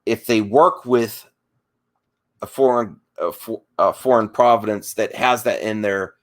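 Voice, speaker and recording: A man arguing defensively in an unscripted online debate, speaking in a halting, argumentative way. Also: fairly low pitch, steady tone. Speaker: debate guest.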